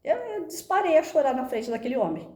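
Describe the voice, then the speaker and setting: A woman with a Brazilian Portuguese accent telling a personal story in an expressive, animated way, often tagging sentences with a questioning aside. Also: high-pitched, fairly quick. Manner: expressive, animated retelling with frequent "né?". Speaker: speaker giving a personal testimony. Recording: roomy echo.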